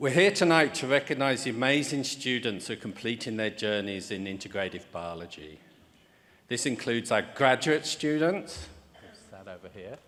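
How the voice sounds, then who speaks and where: A man with a slight Birmingham accent, very wide pitch swings, big swings in loudness and a moderate pace. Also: medium pitch for a man. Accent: British, Birmingham, slight. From England, Birmingham. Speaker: department chair. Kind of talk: commencement speech. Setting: auditorium with audience.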